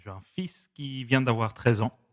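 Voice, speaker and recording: A man in his forties, a Spanish speaker, telling his story as a podcast guest in a measured, reflective way. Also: mid-range voice. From Switzerland. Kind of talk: casual conversation.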